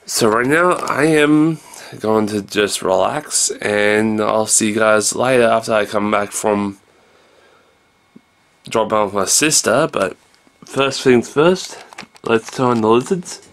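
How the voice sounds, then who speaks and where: Slow, gravelly-voiced man vlogging. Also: fairly bright tone. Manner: low-key, meandering, jumps between everyday subjects. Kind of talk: casual rambling video diary. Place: small room indoors. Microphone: handheld camera at arm's length.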